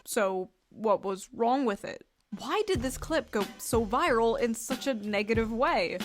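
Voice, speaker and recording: Woman doing wry scripted youtube style commentary, kinda high voice, light music behind her. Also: expressive, measured pace. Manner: wry, conversational. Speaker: online video commentator. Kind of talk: scripted video commentary, conversational.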